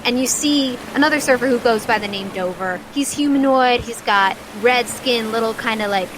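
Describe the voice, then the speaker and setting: High-voiced woman narrating a tabletop game. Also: moderate pace, background noise. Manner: conversational, peppered with "like". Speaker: game master.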